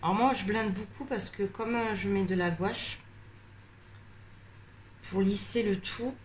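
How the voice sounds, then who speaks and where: A tired, slightly congested woman chatting casually while coloring, rambling with many hesitations and pauses. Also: mid-range voice, slight background noise. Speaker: coloring vlogger.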